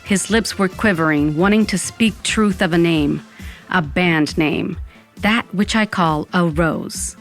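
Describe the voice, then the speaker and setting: A woman's voice: lowish voice, slow, faint music behind. A woman playing a dramatic, dreamy young Latina who narrates her own story in an audio drama. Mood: wistful. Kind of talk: first-person scripted audio fiction narration.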